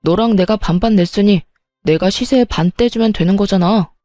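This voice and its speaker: A petty young husband who brushes everything off with blunt, cold replies, as a woman narrator puts him on. The tone stays mellow and darkish. It is recorded dry and close, with faint music underneath. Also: mid-range voice, normal speed, no echo, close to an everyday voice. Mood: cold dismissive. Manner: blunt, dismissive talking down.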